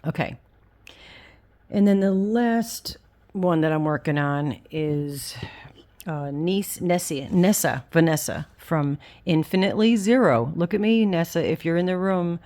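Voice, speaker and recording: Casting: female craft vlogger, deep register, whistling sibilants, candid and self-deprecating, loose chatty delivery. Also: lively intonation, measured pace, a little mellow. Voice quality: whistling s through the teeth. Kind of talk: casual rambling show-and-tell.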